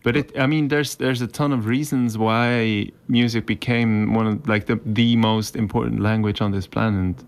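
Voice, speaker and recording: A Swiss German-speaking man, a musician, answering interview questions in a halting, casual way with many restarts. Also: on the low side, steady tone, clear, resonant tone. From Switzerland. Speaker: musician guest.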